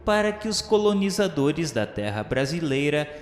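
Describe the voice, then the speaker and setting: A man's voice: a little high, sing-song, normal speed, a little hiss or hum. A Brazilian man reading solemn scripted narration for a radio drama in a formal, declamatory way. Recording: echoey reverberant hall sound, music underneath.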